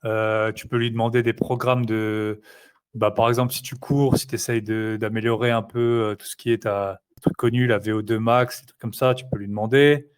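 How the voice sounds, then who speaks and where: A man speaks in an easygoing, conversational way, pausing often on fillers as he thinks out loud. His delivery is loose and unhurried, like talking with a friend. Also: on the low side, clear, resonant tone. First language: French. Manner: rambling, filler-heavy, relaxed. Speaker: interviewee, investor. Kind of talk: casual conversational chat.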